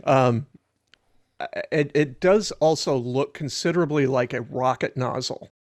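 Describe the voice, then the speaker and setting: A man's voice: medium pitch, a little slow. A man on a podcast panel, musing aloud in casual chat and repeating words as he thinks.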